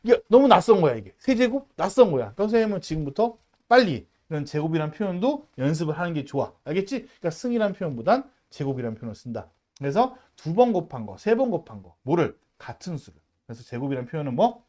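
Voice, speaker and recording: A math teacher in the middle of a casual lesson for middle schoolers, the pitch swinging up and down in lively swoops. The talk is chatty and emphatic, full of quick rhetorical check-ins, and keeps pushing the students to say each term aloud.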